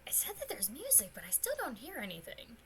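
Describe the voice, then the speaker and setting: A young woman chats her way through a game stream at home. Her tone is bright and forward, with a faint rough edge because her voice has not fully recovered yet. She rambles loosely and breaks into sudden excited squeals, over a light hiss of background noise. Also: on the high side, a little fast. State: slightly hoarse, voice still recovering. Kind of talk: casual let's-play chat.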